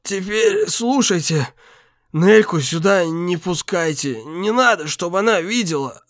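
A man reading an audiobook, voicing a mortally wounded young man who speaks slowly through strain and coughing. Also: sits high, lively intonation, fairly bright tone, no room sound, clean studio sound, voice pushed up, exaggerated voice. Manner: slow, strained, breaking into coughs. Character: dying young man, wounded, bitterly tender. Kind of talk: audiobook character voice.

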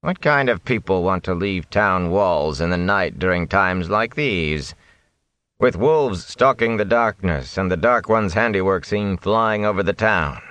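A man doing a soft-spoken, cold zealot. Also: fairly low pitch, sing-song, no echo, pitched above the performer's own voice, exaggerated voice. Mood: cold suspicion. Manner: soft, slow, cold and suspicious.

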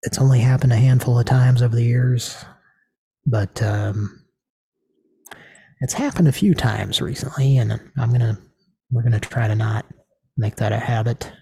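A man hosting a casual comedy talk show, rambling with deadpan crude jokes. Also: medium pitch, normal speed, gravelly, long pauses, slightly rough, no echo. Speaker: host.

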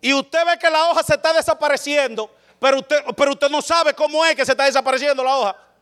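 A man preaching, his voice pitched high and ringing bright. He swings from loud calls to quiet, low asides as he speaks to his congregation in a dramatic sermon. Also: steady tone, fast.

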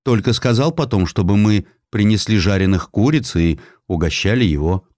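A man's voice: fairly low pitch, normal speed, darkish tone, dry recording, studio quality, close to an everyday voice. A man voicing a distraught village woman giving testimony in plain peasant speech, in an audio drama. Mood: agitated.

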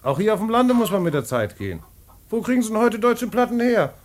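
A man's voice: high-pitched, big pitch swings, brisk, slight background noise. An actor playing a streetwise male black-market trader who talks colloquially and confides his own story in a radio play. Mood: persuasive. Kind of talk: radio play dialogue and first-person narration.

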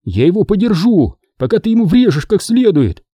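A man's voice: high-pitched, big pitch swings, moderate pace, dark tone, breathy edge, no room sound, voice pushed up, exaggerated voice. A man voicing a level-headed, cautious boy in a storybook reading.

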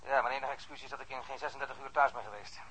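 A wry, talkative police officer in a radio play. His voice is bright and husky. He speaks quickly and easily. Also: mid-range voice, steady tone, low-quality recording. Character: wry, chatty male foreign police officer. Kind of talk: radio drama acting.

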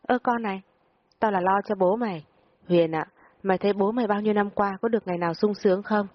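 A woman's voice: mid-range voice, fast, no echo, voice pushed up, close to an everyday voice. A woman voicing a meddling, pushy middle-aged aunt who nags and scolds, in a storybook reading. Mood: scolding. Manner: nagging, scolding. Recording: muffled audio, faint music behind.

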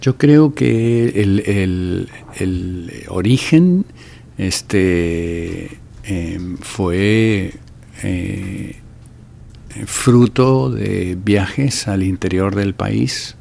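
A man's voice: low-pitched, extremely slow, gravelly, dark tone. An older man with an Argentine accent, a ministry director giving a radio interview, speaking hesitantly with many fillers and restarts. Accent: Argentine Spanish. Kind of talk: radio interview, relaxed storytelling.

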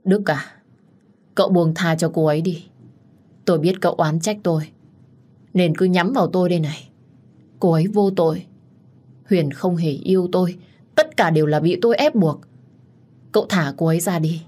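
A woman voicing a desperate young husband who pleads in a hoarse voice. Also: on the low side, moderate pace, long pauses, darkish tone, natural voice. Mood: pleading.

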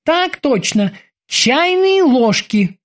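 A woman voicing a timid, eager male bosun who reports in a stiffly formal, drawn-out way. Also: sits high, sing-song, voice pushed up, exaggerated voice. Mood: formal reporting.

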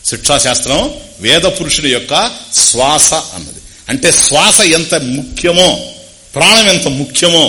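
A man with a Telugu accent giving a discourse on scripture, explaining Sanskrit terms slowly and repeating phrases. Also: a little high, pushed and bright. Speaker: spiritual teacher.

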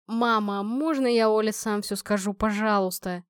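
A woman voicing a shy, earnest young man in a storybook reading, speaking low and hesitantly. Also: normal speed, clear, resonant tone, dry recording, clean studio sound, lightly acted. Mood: tender.

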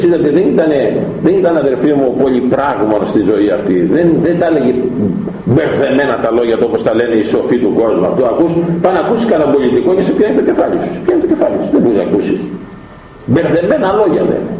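A man preaching a sermon, who tells stories and often jumps up into high voices to act out what people said. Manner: animated, jumps to high pitch when acting out voices. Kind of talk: sermon on scripture. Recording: echoey dull room recording with faint noise.

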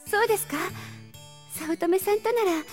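A woman playing a gentle, earnest high-school girl in an anime audio drama, speaking softly and politely. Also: normal speed, soft background music. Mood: shy, gentle. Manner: soft-spoken, polite, earnest.

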